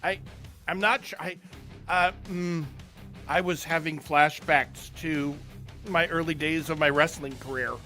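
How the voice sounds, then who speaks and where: A man's voice: fairly high pitch, fairly even intonation, pushed and bright, faint music behind, voice pushed down. A man doing a stammering old ex-wrestler. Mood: bewildered. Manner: stammering, halting. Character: hesitant older male ex-wrestler co-commentator.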